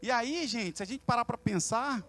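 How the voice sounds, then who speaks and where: A man's voice: very high-pitched, normal speed, fairly bright tone, soft background music. A man preaching with a Brazilian Portuguese accent in a church service, telling stories in a colloquial, humorous way. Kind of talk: sermon.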